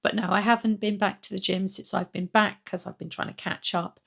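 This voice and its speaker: A middle-aged woman talks through a casual vlog update, her voice croaky from a cold. She rambles a little and restarts often. Her tone is gravelly, and her pitch sits in the middle. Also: fairly even intonation, a little fast, fairly bright tone. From Britain. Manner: rambling, chatty, frequent ums and restarts. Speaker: weight-loss vlogger.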